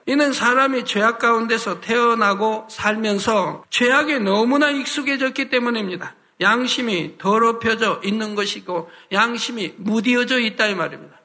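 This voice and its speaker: A man's voice: very high voice, sharp tone. A man preaching a sermon as a pastor, earnest and full of rhetorical questions to the congregation.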